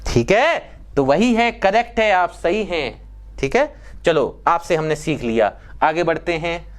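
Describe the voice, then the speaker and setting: A man's voice: a little high, expressive, measured pace. Chatty male chemistry teacher. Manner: chatty, acts out dialogues with students and molecules. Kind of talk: exam-prep lecture.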